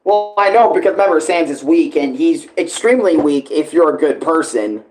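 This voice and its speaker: A man's voice: a little high, expressive, normal speed, a little mellow, soft background music, low-quality recording. A man giving casual, rambling reaction commentary full of slang and swearing, like a host talking to friends. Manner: rambling, informal, often addressing others as bro or dude.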